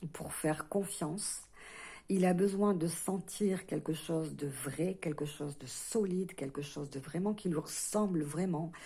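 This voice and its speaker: At a very slow pace, a woman talks with a fairly low pitch. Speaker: tarot card reader. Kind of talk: tarot reading. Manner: hesitant, many fillers.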